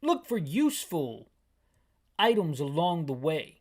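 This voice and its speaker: A man reading as a brisk radio HQ officer. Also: a little high, sing-song. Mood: briefing.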